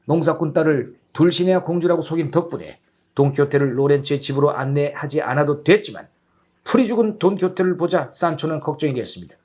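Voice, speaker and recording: A man telling a children's storybook tale as an animated narrator. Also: a little high, quick pace.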